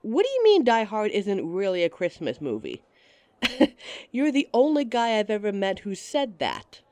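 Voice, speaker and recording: A playful audio roleplay performer addresses the listener directly in a scripted scene, teasing and laughing often. Her pitch swoops wildly with plenty of life, her pace a little slow and her tone darkish. She is recorded close on a dry, dead mic.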